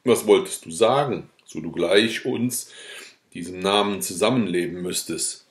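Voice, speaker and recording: A calm, plain-spoken manservant reasons and soothes in a low voice, as a man reads him out in a storybook. His words ring in a roomy space. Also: a little slow. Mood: soothing. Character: plain-spoken male servant, calm and consoling. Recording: roomy echo.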